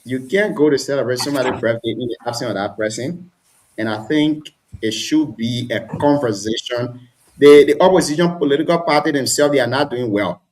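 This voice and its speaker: A man from Liberia, arguing politics as a panelist on a talk show, animated and argumentative, often repeating words as he starts a point. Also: medium pitch, fairly quick.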